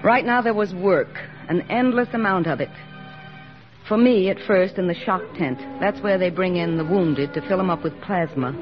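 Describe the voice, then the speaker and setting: An actress playing an eager young army nurse in a 1940s radio drama, earnest and soft-spoken, on a dull old radio recording. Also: female voice, on the low side, normal speed, soft background music, close to an everyday voice. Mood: brisk.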